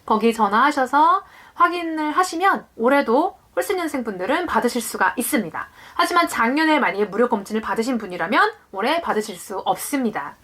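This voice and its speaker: A young woman in her late twenties explains things to her viewers in a friendly vlog. Her voice sits high and moves a lot, rising and falling as she walks through each point. She often asks a question and then answers it herself. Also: lively intonation, fairly quick, few pauses, a bit bright. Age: late 20s. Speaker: parenting vlogger.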